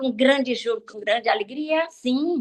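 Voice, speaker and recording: A woman at a moderate pace. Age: 70s. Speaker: participant in online devotional group. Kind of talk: group devotional sharing. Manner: animated.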